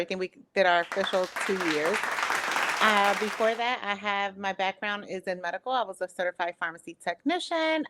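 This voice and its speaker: A woman's voice: medium pitch, a bit bright. A woman from Philadelphia in her thirties, co-hosting a casual chat, earnest and explaining things at length. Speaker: co-host, travel agent.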